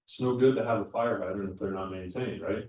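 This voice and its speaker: Man, county official at a public meeting, lowish voice, methodical, off-mic in a reverberant room. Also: brisk, a little mellow. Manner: explanatory, methodical, with frequent restarts. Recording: echoey room, voice from far off the mic.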